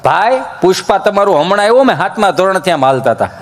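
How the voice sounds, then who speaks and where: A man's voice: high voice, fast talker, a little hiss or hum. A man telling comic stories on stage, jumping into the voices of the people in them. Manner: lively storyteller, swings between voices of characters. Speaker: folk comedian on stage. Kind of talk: stage comedy storytelling.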